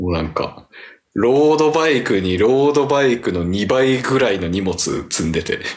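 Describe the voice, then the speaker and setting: Speaking in a Kansai accent, the voice makes very wide pitch swings. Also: man, medium pitch for a man, moderate pace. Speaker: podcast co-host. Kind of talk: casual chat.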